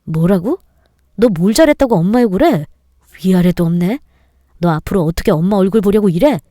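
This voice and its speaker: A woman's voice: mid-range voice, animated, a little fast, mellow, no echo, studio quality, close to an everyday voice. A woman voicing an angry young husband who scolds his wife with indignant scorn. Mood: scolding.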